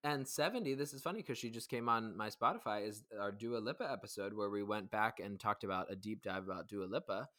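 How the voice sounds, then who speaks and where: A man's voice: lowish voice, animated, brisk, hardly any pauses, bright, forceful tone. A man co-hosting a podcast in a casual live stream chat, running loosely through recaps of past episodes. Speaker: podcast co-host.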